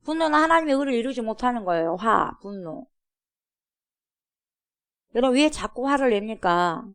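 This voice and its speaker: A woman's voice: fairly high pitch, animated, moderate pace, smooth. A woman pastor giving a sermon at a church, preaching emphatically and asking the congregation repeated rhetorical questions.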